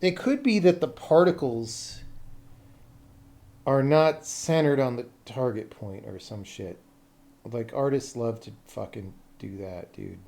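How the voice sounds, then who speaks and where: A man's voice: mid-range voice, slow pace, gravelly, darkish tone. A man livestreaming game programming, muttering casually to himself in short fragments with the odd swear word. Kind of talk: casual thinking aloud while coding on stream. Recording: faint noise with keyboard typing. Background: computer keyboard typing.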